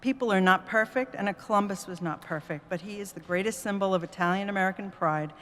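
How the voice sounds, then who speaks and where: A woman's voice: medium pitch, quick pace, fairly bright tone, slight background noise. A woman giving public comment at a meeting, reading a prepared statement in an earnest, formal way. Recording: long reverb of a meeting hall.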